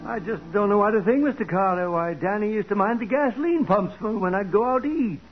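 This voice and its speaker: An actor playing a kindly, humble old garage owner, folksy and earnest, in a 1940s radio drama. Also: male voice, high-pitched, a little fast, soft background music. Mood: worried, sincere. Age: older. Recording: dull, noisy 1940s radio recording.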